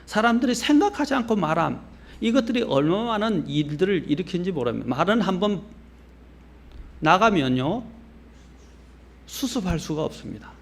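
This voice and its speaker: A man's voice: high voice, very animated, moderate pace, gravelly, long pauses. Earnest preaching man, faint Gyeongsang accent. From Gyeongsang region, Korea. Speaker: pastor. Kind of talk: sermon.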